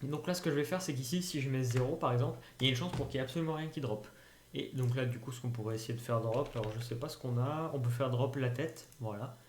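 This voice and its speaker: A man's voice: mid-range voice, fast talker, slight background noise. A man giving a casual screen-recorded tutorial, thinking aloud with frequent hesitations and fillers. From France. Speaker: tutorial youtuber. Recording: roomy home recording.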